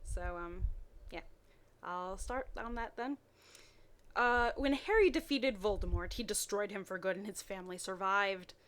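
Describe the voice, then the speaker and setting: A woman reading amateur fiction aloud in a mocking way, dropping in wry, deadpan asides. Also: medium pitch, measured pace. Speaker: reader and commentator.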